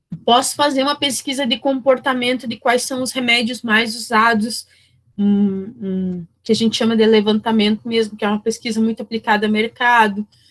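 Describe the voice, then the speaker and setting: Fairly high in pitch, a woman speaks in a normal speaking voice at a moderate pace. Her intonation stays fairly even, and the sound is dry and close with no echo. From interior of Paraná, Brazil. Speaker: teacher. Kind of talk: lecture.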